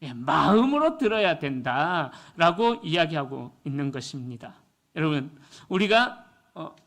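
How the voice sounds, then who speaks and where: A man's voice: high-pitched, fairly bright tone. A man, a pastor preaching a sermon with emphatic rhetorical questions and acted-out joke voices.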